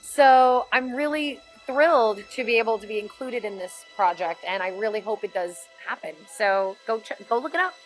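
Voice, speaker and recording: A woman's voice: on the high side, normal speed, few pauses, faint music behind, rough recording. A woman voice actress as an interview guest, chatting enthusiastically and rambling with frequent restarts. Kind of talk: interview chat.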